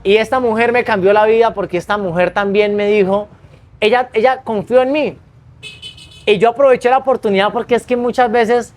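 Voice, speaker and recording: Earnest Colombian man, high voice. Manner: repetitive restarts, earnest storytelling. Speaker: guest, pizza business owner. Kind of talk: casual storytelling in an interview.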